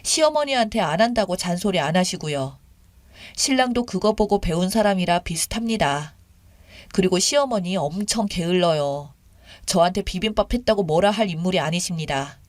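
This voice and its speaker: A woman's voice: medium pitch, no room sound. Woman in her thirties, first-person story reading, indignant, chatty, dry close sound. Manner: indignant, conversational, complaining.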